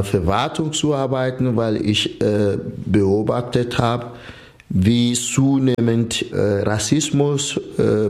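A man from Nigeria, an association chairman, speaking haltingly in an interview with many pauses. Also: fairly low pitch, a little mellow. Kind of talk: interview statement.

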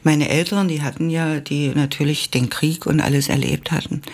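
An older woman from East Germany, a former Russian teacher, recalling her past slowly and with many hesitations in an interview. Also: sits low, fairly even intonation, darkish tone. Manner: slow and reminiscent, with frequent hesitations. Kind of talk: oral history interview.

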